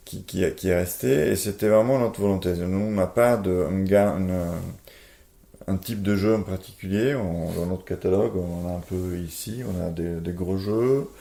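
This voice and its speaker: A man's voice: low voice, moderate pace, gravelly, dark tone, echoey room. A man with an Italian accent, a board game publisher talking casually in an interview, hesitant with many fillers and restarts.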